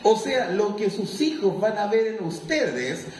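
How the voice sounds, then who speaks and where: A man preaching a sermon as pastor, lively and animated, acting out little scenes. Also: high-pitched, unhurried, a little hiss or hum. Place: church. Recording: echoey room, mic far off.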